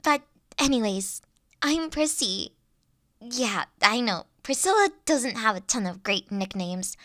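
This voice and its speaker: A woman's voice: on the high side, sing-song, a little slow, a bit bright, dry recording, studio quality. A woman playing a huge, friendly, nerdy young dragon college student in a roleplay audio drama, talking in a bubbly, awkward, hesitant way. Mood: sheepish, chatty.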